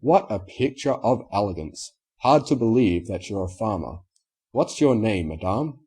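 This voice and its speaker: A man voicing a dapper, courteous stallion gentleman in a storybook reading, formal and effusive. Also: on the low side, expressive, unhurried, breathy edge.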